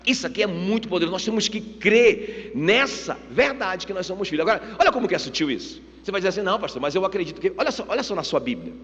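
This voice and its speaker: A Brazilian man preaching a sermon in a church, lively and acting out voices while checking in with the congregation. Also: high-pitched, fast, hardly any pauses. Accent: Brazilian Portuguese. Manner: animated, acts out voices and asks the congregation for agreement. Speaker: pastor. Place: church sanctuary. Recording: muffled church hall with long reverb.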